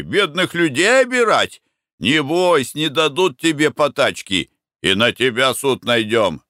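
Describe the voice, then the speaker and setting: A man reading aloud, voicing a crowd of angry male barge workers who shout their demands loudly, indignantly and in drawn-out calls. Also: fairly high pitch, dry recording, studio quality, pitched above the performer's own voice, full character voice.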